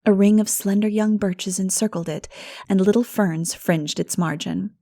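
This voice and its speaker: Creaky-voiced woman narrating an audiobook. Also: medium pitch, normal speed. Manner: expressive storytelling. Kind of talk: scripted literary narration.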